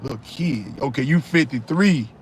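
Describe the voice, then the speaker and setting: Reading comments aloud during a casual live chat, this Charlotte, North Carolina man in his 30s talks with his viewers and tends to say things more than once. He speaks at a moderate pace in a mid-range voice, with a little hiss or hum on the recording.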